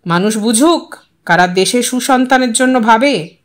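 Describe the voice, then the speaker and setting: Middle-aged male politician, woman narrator acting him: self-important, patronizing, English-peppered audiobook speech, higher register. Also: moderate pace, natural voice. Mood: commanding. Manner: authoritative, mixes English words into speech.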